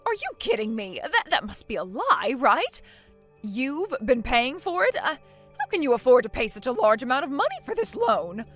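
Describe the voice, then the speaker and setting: A woman's voice: high-pitched, big pitch swings, moderate pace, a bit bright, faint music behind, full character voice. A woman voicing a domineering middle-aged mother-in-law who scolds and makes demands in an acted family drama. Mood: shocked.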